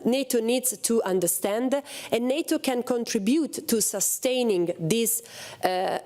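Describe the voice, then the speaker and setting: A woman's voice: a little high, unhurried, dark tone. Hesitant woman policy panelist. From Italy. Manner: hesitant, many fillers and restarts. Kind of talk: panel talk on security policy.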